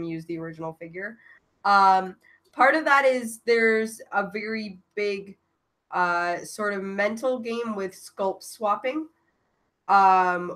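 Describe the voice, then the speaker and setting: A woman's voice: medium pitch, a bit bright. Woman, podcast co-host, casual chat, filler-heavy. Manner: chatty, lots of "like".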